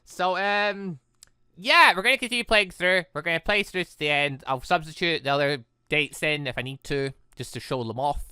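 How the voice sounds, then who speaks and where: A man hosting a gaming video, chatting casually in a rambling, excitable way as he comments on his playthrough. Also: on the high side, normal speed, clear, resonant tone, no room sound, studio quality. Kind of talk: casual let's play commentary.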